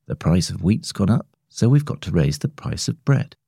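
Deep-voiced man reading an article. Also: sing-song, normal speed, vocal fry, mellow, slightly rough, dry recording, studio quality. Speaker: narrator of a magazine long read. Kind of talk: scripted narration of an article.

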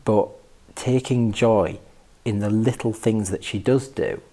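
A man speaking as a podcast guest in reflective personal conversation, thoughtful and halting as he searches for words. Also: fairly low pitch, steady tone, warm tone, a little hiss or hum. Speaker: podcast guest discussing a favourite poem.

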